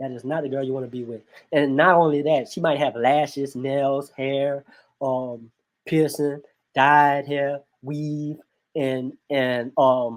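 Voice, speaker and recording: A man with a New Orleans accent and a fairly high pitch, talking at a very slow pace on a very clean recording with a silent background. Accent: West Bank New Orleans. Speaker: reaction video commentator. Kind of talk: casual commentary. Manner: halting.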